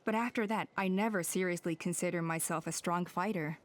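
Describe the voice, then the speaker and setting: A woman's voice: on the low side, fairly quick, close to an everyday voice. A woman playing a gracious, self-effacing female tribal elder in a video game, speaking politely and with measure. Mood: self-deprecating.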